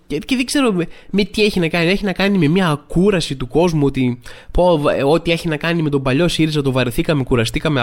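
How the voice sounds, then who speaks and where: A man hosting a casual, comedic solo podcast, talking in a rambling way full of fillers and restarts. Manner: acts out quoted people with sudden pitch jumps. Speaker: podcast host.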